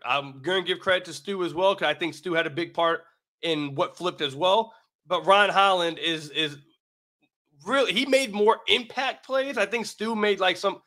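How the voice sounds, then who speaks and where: A man's voice: sits high, bright, forceful tone. An American man hosting a sports podcast, talking emphatically with repeated phrases, his voice slightly raggedy from being sick. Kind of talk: solo basketball commentary with sponsor read.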